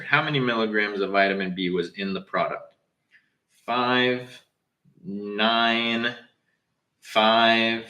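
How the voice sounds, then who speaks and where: A man's voice: mid-range voice, bright, forceful tone, echoey room. A young man from Southern California with a Southern Californian accent, hosting a casual livestream and talking loosely and straight to his viewers. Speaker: livestream host.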